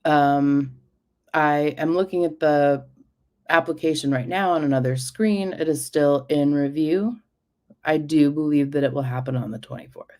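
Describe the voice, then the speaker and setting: Low-voiced woman rambling on her livestream, chatty, keeps going off track. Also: normal speed, warm tone. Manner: rambling, chatty, drifts off topic. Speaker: livestream host. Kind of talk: casual livestream chat.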